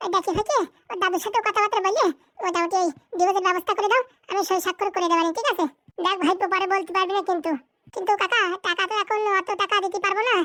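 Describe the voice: A woman's cartoonish character voice, extremely high-pitched and very fast, at very even loudness.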